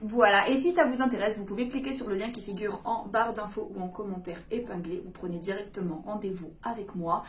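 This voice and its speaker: A dating and seduction coach introduces her channel in a casual vlog explainer to camera, hyped up and over-caffeinated with emphatic bursts. Her mid-range voice is fairly even in intonation and fairly quick, with hardly any pauses, over slight background noise.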